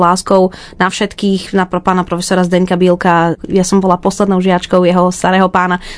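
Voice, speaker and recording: A woman is speaking. Her pace is fairly quick. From Slovakia. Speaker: conductor and soprano. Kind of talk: radio interview. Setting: radio studio.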